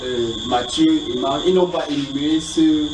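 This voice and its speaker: A man asking questions about the Bible in a halting, roundabout way, repeating himself often. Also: on the high side. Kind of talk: informal spoken question. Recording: echoey, distant, noisy pickup.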